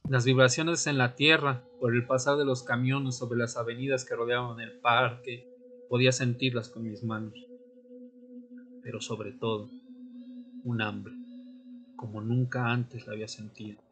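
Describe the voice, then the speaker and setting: Tormented newly turned vampire played by a man, telling his tale in a radio drama. Grave, measured, music underneath. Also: mid-range voice, flat delivery, a bit bright, natural voice. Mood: grave, desperate. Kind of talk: dramatic first-person audio drama narration.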